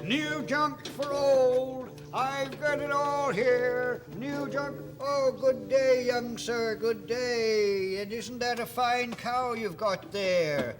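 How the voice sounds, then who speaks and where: A man's voice: very high voice, slow, few pauses, poor audio. A man voicing a sly old male peddler with coaxing, sing-song sales patter, over music. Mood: wheedling.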